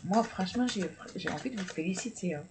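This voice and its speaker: A man reading tarot and oracle cards for viewers, talking slowly and hesitantly with many fillers, and encouraging and congratulating the listener. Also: high voice, expressive. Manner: slow, hesitant, with many fillers and repeated words. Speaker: tarot and oracle card reader. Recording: clear background noise.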